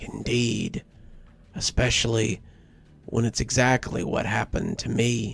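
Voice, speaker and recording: A man's put-on character voice, creaky and raspy, at medium pitch and a fairly slow pace with long, frequent pauses. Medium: read story. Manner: slow, eerie, musing.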